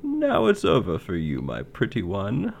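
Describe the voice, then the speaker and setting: A man's voice: high-pitched, wildly swooping pitch, slow pace, gravelly, slight background noise, pitched above the performer's own voice, full character voice. A man doing a sneering wicked queen. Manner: sneering, theatrical. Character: vain wicked queen, scheming and cruel.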